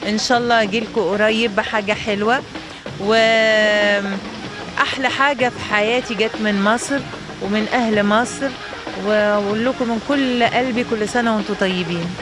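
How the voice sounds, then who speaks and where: A woman's voice: mid-range voice, fairly even intonation, brisk, poor audio. A woman from Egypt with an Egyptian Arabic accent, a singer chatting in an interview outdoors, hesitant and full of fillers and restarts. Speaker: singer and guest. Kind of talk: casual interview chat. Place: outdoors by a fountain in a city square. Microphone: handheld microphone.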